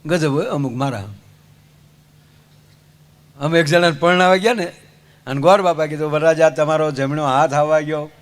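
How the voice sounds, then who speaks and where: Male folk comic, Saurashtra Gujarati accent, high voice, lively stage storytelling acting out characters. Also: normal speed, pauses often. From Saurashtra, India. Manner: animated storyteller, acts out characters with pitch swings. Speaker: folk comedian.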